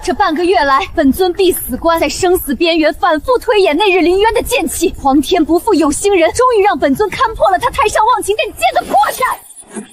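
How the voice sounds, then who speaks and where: A proud, hot-tempered demon queen from an animated series, with a very high, lively voice that swings widely in pitch. She talks in a haughty, blustering way and flares into shouting. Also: brisk, slight background noise. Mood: scheming.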